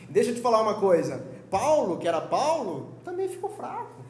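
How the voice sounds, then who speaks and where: A young man with a Brazilian Portuguese accent teaching a Sunday school sermon in a lively, joking, conversational way. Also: high voice, fairly quick, roomy sound, slight background noise. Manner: lively, joking, conversational preaching with quoted voices. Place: church hall.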